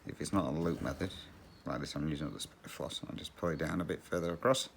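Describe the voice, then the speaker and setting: A man's voice: extremely low pitch, fast talker, vocal fry, slight background noise. A man hosting a cross-stitch channel, chatting casually and rambling while he stitches, often laughing.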